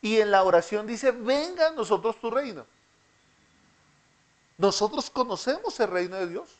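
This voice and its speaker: A man's voice: high voice, animated. A man teaching an interactive Bible class, who keeps asking his students questions and has them repeat after him. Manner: slow, deliberate delivery.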